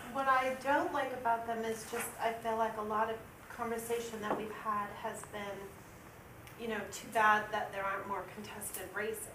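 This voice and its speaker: Against noticeable background noise, a woman talks at a moderate pace with a fairly high pitch. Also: fairly even intonation. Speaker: committee member. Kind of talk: public meeting. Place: meeting room. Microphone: camera far.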